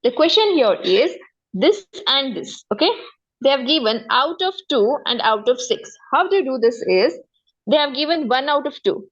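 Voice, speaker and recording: High-voiced South Asian woman teacher, muffled audio. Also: animated, moderate pace. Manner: repetitive, frequent check-in questions. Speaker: maths teacher. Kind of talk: one-to-one lesson, explaining step by step.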